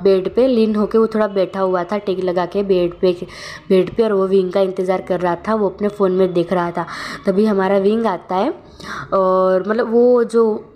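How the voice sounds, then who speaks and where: Mellow woman casually retelling a story. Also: mid-range voice. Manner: loose retelling with frequent filler words. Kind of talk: casual fan-fiction narration.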